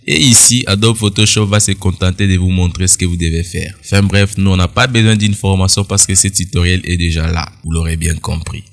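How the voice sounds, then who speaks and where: A man's voice: low voice, fairly even intonation, fairly quick, few pauses. A man walking viewers through a phone editing app in a casual, explanatory screen-recorded tutorial. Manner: explanatory, addresses viewers directly, casual asides. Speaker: tutorial instructor.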